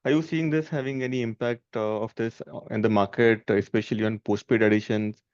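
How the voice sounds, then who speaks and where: A man asking an analyst's question on a conference call in a halting way. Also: fairly low pitch, steady tone, darkish tone, no room sound. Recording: dull lo-fi call audio.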